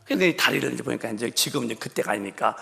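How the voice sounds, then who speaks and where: Gravelly, animated preaching man. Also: medium pitch, racing. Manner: emotional storytelling with rhetorical questions. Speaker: pastor. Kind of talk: sermon. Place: church sanctuary.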